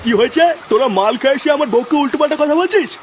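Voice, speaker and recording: A man's voice: very high voice, expressive, very fast. A man voicing a foul-mouthed, hot-tempered husband in a comedy cartoon, scolding and combative. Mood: furious.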